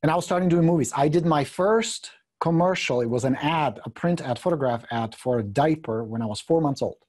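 A Czech-accented man in his fifties, a guest real estate coach, tells his story in a video interview, blunt, joking, profane and gesturing a lot. His voice is on the high side and darkish, a little fast. He speaks candidly into a desk condenser microphone in an indoor studio room with a brick wall.

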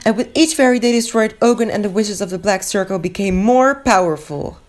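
A woman's voice: mid-range voice, a little fast, close to an everyday voice. Woman voicing a stern older fairy-school teacher, grave. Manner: grave, explanatory. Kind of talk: fan-dub cartoon acting.

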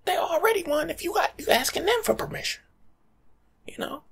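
A young American man giving casual, slangy life-coach advice in an ASMR monologue, breathy and often dropping to a whisper. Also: extremely high pitch, sing-song, brisk, fairly bright tone. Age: young adult. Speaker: ASMR video creator. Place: small room at home, indoors.

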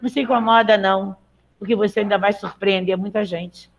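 A woman's voice: medium pitch, fairly even intonation, a little fast, creaky. Chatty, encouraging woman teacher. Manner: chatty, checks in with frequent "tá?"; encouraging and motherly with students. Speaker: Portuguese teacher. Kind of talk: live online grammar lesson.

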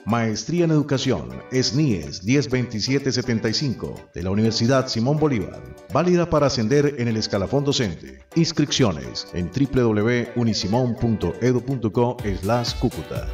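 A man's voice: medium pitch, lively intonation, normal speed, few pauses, darkish tone, far from the mic. Male promo announcer over music, roomy echo. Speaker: advertisement announcer. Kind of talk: scripted promotional narration.

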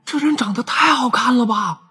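A man's voice: very high-pitched, moderate pace, sharp tone, breathy edge, dry recording, voice pushed up, full character voice. A man voicing a timid, naive young male police officer in an audiobook, with a hesitant, stammering delivery. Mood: amazed.

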